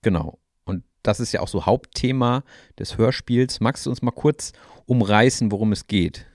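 A man's voice: lowish voice, moderate pace, a little mellow, no echo, clean studio sound. A young man hosting a podcast interview, asking questions in a friendly, inquiring way. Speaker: podcast host.

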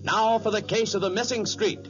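A man's voice: high-pitched, fairly even intonation, a little fast, over loud music. A man announcing and narrating a scripted 1940s radio show in an emphatic, theatrical manner. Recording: dull 1940s radio recording.

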